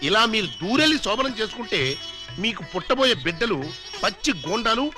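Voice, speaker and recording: An actor playing the blustering male head of a family of thieves, who scolds and gives orders loudly. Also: high-pitched, animated, brisk. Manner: loud scolding and commanding. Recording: film soundtrack with music behind.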